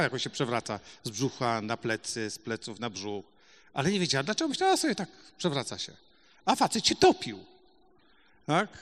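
Polish man preaching testimony in echoing hall. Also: mid-range voice. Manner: storytelling, swings between loud emphatic bursts and quiet asides. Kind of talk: sermon testimony. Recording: long hall reverb.

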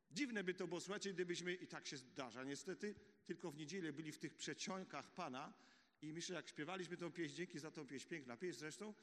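A man preaching a sermon, telling the story vividly and dropping to a hush for key points. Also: fairly high pitch. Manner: animated storytelling with dramatic drops to a hush. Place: church hall. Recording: echoey church hall.

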